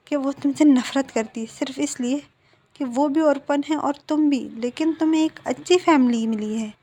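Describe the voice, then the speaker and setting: A woman's voice: high voice, a little mellow. Young man, clingy, pleading, earnest, woman's voice, storytelling.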